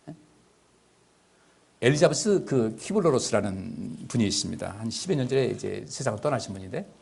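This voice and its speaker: A man preaching a Sunday sermon as pastor, acting out quoted voices and swinging from loud outbursts to hushed asides. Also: mid-range voice, husky. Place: church sanctuary.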